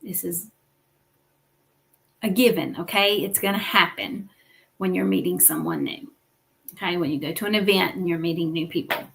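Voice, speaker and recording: A woman's voice: lowish voice, normal speed, creaky, pauses often, a bit bright. A woman hosting a weekly business livestream, coaching viewers in an encouraging teaching style and often checking in with "okay?" and "right?".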